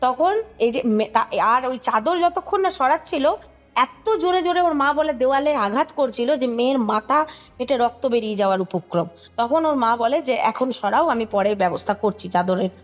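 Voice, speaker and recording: A woman with a Kolkata Bengali accent speaks in a fairly high voice, with music playing behind her. She tells a story conversationally, explaining details and often checking that the listener follows. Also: expressive, normal speed, lo-fi sound. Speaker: podcast guest recounting a ghost story.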